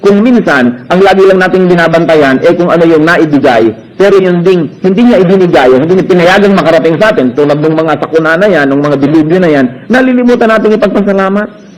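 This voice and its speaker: A man's voice: high voice, fast talker, rough recording. A Filipino man preaching a sermon, switching between Tagalog and English and acting out quoted prayers and complaints with rhetorical questions.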